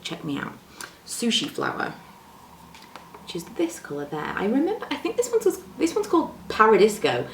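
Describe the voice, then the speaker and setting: A young woman talks casually through a makeup routine, self-deprecating and full of little fillers. Her voice sits a touch low, roughened by an oncoming cold. She is close to the camera in a home room with some echo and a faint hiss. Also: a bit bright. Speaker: beauty vlogger. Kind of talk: casual makeup tutorial chat. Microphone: camera close to the face.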